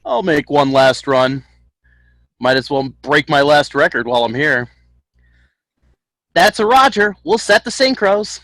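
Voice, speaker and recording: A man's voice: on the high side, lively intonation, unhurried, pauses often, a bit bright, dry recording. A man acting a cocky, taunting young ski rival in a screenplay table read. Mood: smug.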